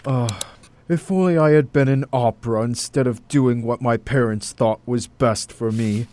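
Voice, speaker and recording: A man's voice: medium pitch, moderate pace, darkish tone, natural voice. A man playing a wistful, secretive doctor in an audio drama, theatrical and evasive, with an air of authority.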